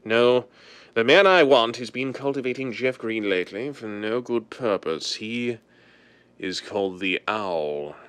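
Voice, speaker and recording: A man playing a suave, self-assured gentleman crime-fighter in a 1930s-style radio drama, measured and ominous. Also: medium pitch, clean tone, natural voice.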